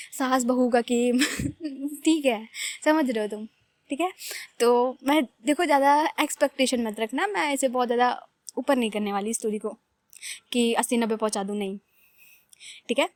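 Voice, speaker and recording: High-voiced chatty young woman storyteller. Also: darkish tone, no echo, studio quality. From Uttar Pradesh, India. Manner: chatty, rambling, often laughing at herself. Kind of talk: casual storytelling vlog.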